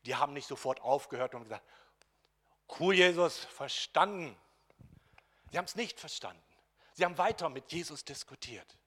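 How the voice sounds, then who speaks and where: A man preaching a sermon, moving between quiet, intimate lines and loud, emphatic passages, acting out quoted dialogue. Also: fairly high pitch, lively intonation, moderate pace, pauses often. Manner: acts out quoted dialogue in voices.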